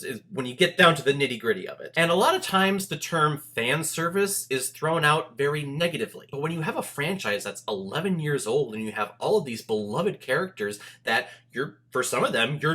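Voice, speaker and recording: A man's voice: fairly high pitch, pushed and bright. A man hosting a casual movie review, talking straight to viewers in an emphatic, conversational, joking way.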